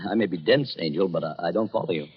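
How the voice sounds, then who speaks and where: Jittery young husband, husky and animated. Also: male voice, sits low, fairly quick. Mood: exasperated. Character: jittery young husband on honeymoon, protective and exasperated. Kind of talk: old-time radio drama acting. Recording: dull, muffled old radio recording.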